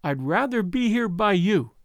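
A man's voice: high voice, big pitch swings, unhurried, dry recording, studio quality, full character voice. A man voicing a caring young woman artist in a story, earnest and coaxing but firm.

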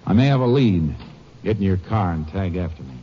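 Texas Ranger: very low voice, shrewd and clipped, old radio western, muffled recording. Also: male voice, animated, brisk, loud music behind the voice. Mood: brisk, probing. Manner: terse, matter-of-fact questioning. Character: steady, shrewd Texas Ranger investigator and narrator. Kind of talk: 1950s radio western acting.

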